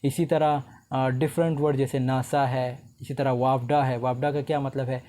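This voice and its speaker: A man giving a recorded lecture, reading English definitions slowly and explaining them in a relaxed conversational way. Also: medium pitch. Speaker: teacher.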